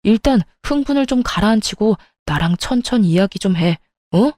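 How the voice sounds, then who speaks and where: A woman's voice: medium pitch, expressive, darkish tone, no echo, studio quality, lightly acted. A woman voicing a middle-aged husband who pleads and coaxes in a radio story scene. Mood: pleading. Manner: placating, hurried, coaxing.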